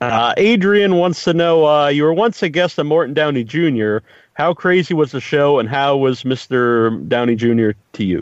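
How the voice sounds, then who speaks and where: A man with a plain, everyday voice speaks at a fairly slow pace, his fairly high pitch carried by lively intonation. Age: 40s. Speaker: podcast host. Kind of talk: interview.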